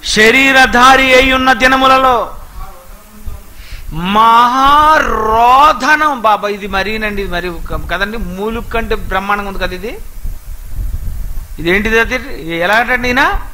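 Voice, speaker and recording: A man preaching a sermon with an animated manner, asking his listeners question after question. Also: high voice, normal speed, rough recording.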